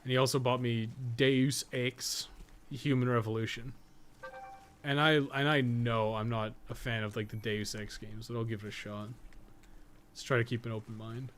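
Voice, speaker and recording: A man's voice: mid-range voice, flat delivery, moderate pace, fairly bright tone, a little hiss or hum. A man chatting casually as he livestreams a game, rambling, rephrasing his points and swearing casually. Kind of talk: casual chat while playing, answering viewers.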